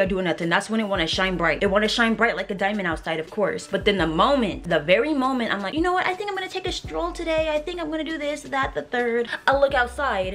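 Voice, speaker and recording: Slightly raspy young woman vlogging from bed. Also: mid-range voice. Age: young adult. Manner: animated, slangy, joking asides to viewers. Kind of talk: casual vlog chat to camera. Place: bedroom, in bed. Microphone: handheld camera close to face.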